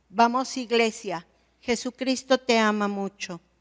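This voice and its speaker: Captured on a very clean recording with a silent background, a woman speaks at a fairly slow pace with fairly even intonation in a dry, close sound with no echo. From Mexico. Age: 60s. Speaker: church member giving testimony. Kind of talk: testimony. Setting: church.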